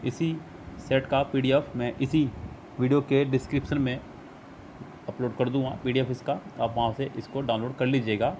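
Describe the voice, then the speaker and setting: A man with an Indian accent, a Hindi speaker, tutoring for an English exam over a screen recording, patiently explaining and reading English sentences slowly. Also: mid-range voice, flat delivery, darkish tone, slight background noise. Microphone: screen recorder mic.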